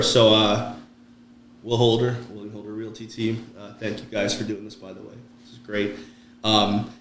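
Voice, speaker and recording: Middle-aged male podcast guest, lowish pitch, conversational storyteller, echoey room with faint noise. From Trinidad. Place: indoor room, podcast recording.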